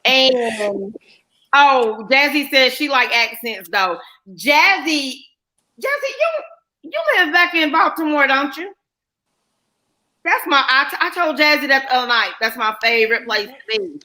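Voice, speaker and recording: Southern lady hosting a livestream, bright voice a bit high, chatty, reads the comments out. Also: expressive, unhurried, rough recording. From North Carolina. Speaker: livestream host. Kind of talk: casual live chat.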